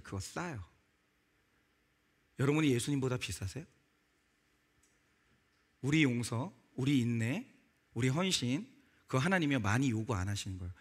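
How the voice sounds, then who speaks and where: A male pastor with a somewhat high, bright, pushed voice preaches a sermon, acting out the voices of quoted lines as he tells them. He presses his congregation with rhetorical questions.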